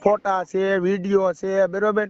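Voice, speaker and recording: A young man speaks in a noticeably high voice with a rural Saurashtra Gujarati accent. He tells his story as a caller, rambling and tagging his sentences with little checking questions. The phone recording is dull and dry. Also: flat delivery, measured pace, clear, resonant tone, dry recording. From Gujarat, India. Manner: rambling, often adds a checking tag question. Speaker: caller seeking advice. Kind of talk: personal account told over a phone call. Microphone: phone call.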